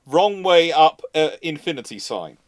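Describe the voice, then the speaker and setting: A man in his thirties hosts a casual group chat in a fairly high voice. He speaks haltingly, doubling back over words. The sound is dry, with little room around him. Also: sing-song, no echo. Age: 30s. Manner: halting, repeats words as he goes. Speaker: host and university lecturer.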